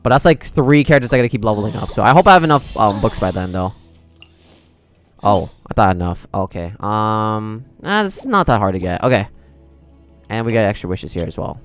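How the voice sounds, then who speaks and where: A man's voice: on the low side, lively intonation, fairly quick. A man livestreaming a video game in casual, slangy, chummy chat with his viewers. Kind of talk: casual gameplay stream chat. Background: game music.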